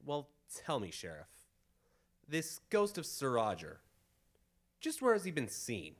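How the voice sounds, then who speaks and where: An actor playing a confident, commanding gentleman detective in a radio mystery, formal and theatrical. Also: mid-range voice, wildly swooping pitch, measured pace, full character voice. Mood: composed, probing. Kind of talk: old-time radio mystery acting.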